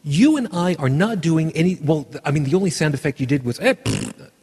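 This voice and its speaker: Excited man in a reverberant room. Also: on the high side, fairly quick, husky. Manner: enthusiastic, animated, restarts often. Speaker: podcast host. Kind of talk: casual chat.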